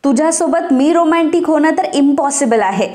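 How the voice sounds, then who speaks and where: A woman reads out an arrogant young husband who brags and brushes everyone off, in a storybook retelling. The voice is high and stays close to her plain reading tone. He refuses help even while sick. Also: normal speed, close to an everyday voice. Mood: mocking. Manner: boastful, dismissive retorts.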